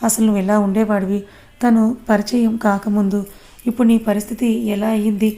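A woman's voice: mid-range voice, level tone, brisk, warm tone, natural voice. A woman voicing a worried young man who scolds and pleads with his friend.

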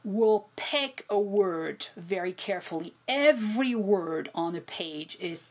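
A woman's voice: mid-range voice, slow. A middle-aged woman whose first language is French, talking animatedly as a guest over a video call from home. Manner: animated, expressive, repeats words when excited. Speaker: guest, poet and translator. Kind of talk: casual conversational interview. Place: home room with bookshelves.

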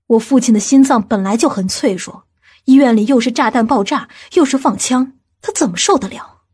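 A woman's voice: fairly high pitch, normal speed, a little mellow, breathy edge. A woman voicing a bossy, irritable aunt in a dramatised audiobook, with a scolding, indignant manner. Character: domineering, irritable aunt of a company chairman.

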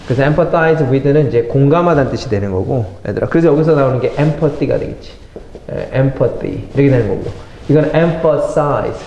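A middle-aged man teaching English vocabulary in a lively classroom lecture, mixing English phrases into his explanations and talking to his students as kids. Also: medium pitch, normal speed, creaky, lo-fi sound. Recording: echoey classroom with faint noise.

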